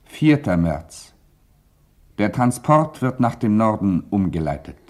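An actor playing an impersonal reader of terse military log entries in a radio play. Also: male voice, on the low side, very animated, slow.

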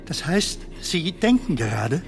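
Lively, nervous elderly English comedian. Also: male voice, a little high, measured pace, creaky, over music, full character voice. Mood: curious. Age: 70s. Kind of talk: radio play acting.

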